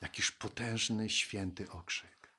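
A man preaching a sermon, reading Bible verses and speaking slowly and reflectively, then rising into fervent exclamations. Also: on the low side, steady tone, bright, forceful tone, breathy edge.

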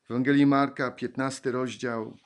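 A man preaching a sermon, reading Bible verses and speaking slowly and reflectively, then rising into fervent exclamations. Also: medium pitch, level tone.

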